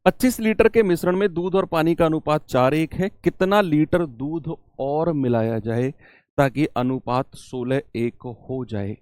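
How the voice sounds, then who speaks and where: A man teaching an exam-prep math lesson, coaxing his students with questions and swinging between loud and soft. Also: fairly high pitch, a little slow, dry recording.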